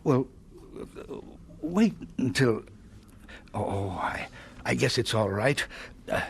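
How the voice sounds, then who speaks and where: A man's voice: medium pitch, lively intonation, creaky, slight background noise. Grieving gypsy father, widely swinging voice. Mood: hesitant, solemn. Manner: hesitant, halting. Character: grieving gypsy father, gentle, faltering, turning frantic. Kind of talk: radio drama acting.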